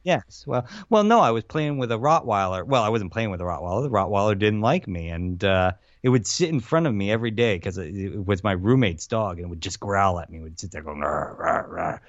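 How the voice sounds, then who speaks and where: Playful male co-host, very animated, slightly roomy. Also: lowish voice, a little fast, hardly any pauses. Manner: playful, acting out noises and exclamations. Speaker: radio co-host. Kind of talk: casual jokey banter and storytelling. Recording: dull, roomy, slightly lo-fi radio audio.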